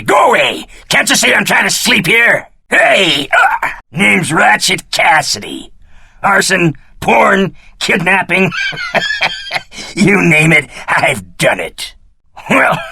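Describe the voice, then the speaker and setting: A man's voice: high voice, sing-song, slow pace, gravelly, pushed and bright, slightly rough, no room sound, clean studio sound, full character voice. An actor playing a rowdy, sleazy criminal gunman in a video game, taunting and cackling. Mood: irritated, then sly. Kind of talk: video game character lines.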